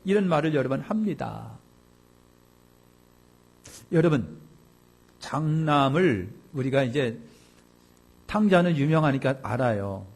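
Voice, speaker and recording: A male pastor preaching a sermon in an animated, colloquial way, often putting questions to the congregation. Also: mid-range voice, takes it slowly, vocal fry, long pauses, breathy edge.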